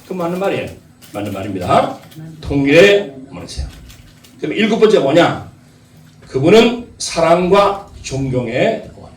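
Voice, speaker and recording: A man's voice: fairly high pitch, a little mellow, a little hiss or hum. Pastor guy preaching, voice jumping all over, kinda far from the mic in a big echoey church hall. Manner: emphatic preaching, repeating key phrases and asking the congregation questions. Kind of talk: sermon.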